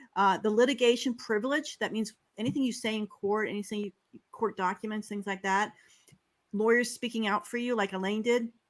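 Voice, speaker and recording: A woman talks at a fairly quick pace in a fairly high pitch with a New York accent and fairly even intonation. The recording is very clean, with a silent background. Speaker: online commentator, self-styled internet journalist. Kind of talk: livestream commentary with co-host. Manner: fast.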